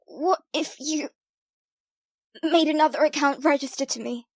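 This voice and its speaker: A woman's voice: sits high, unhurried, no room sound, studio quality. A woman playing a proud, stubborn young twin sister in an audio drama, argumentative and defiant. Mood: insistent.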